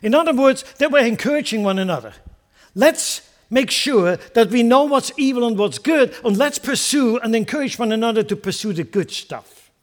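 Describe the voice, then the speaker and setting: A man's voice: very high-pitched, lively intonation, moderate pace. A man preaching a sermon as a pastor, impassioned and repeating words as he builds emphasis.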